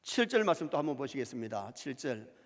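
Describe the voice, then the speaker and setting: A male pastor preaching a sermon, lively and emphatic, with quoted asides. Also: mid-range voice, quick pace. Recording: church hall reverb.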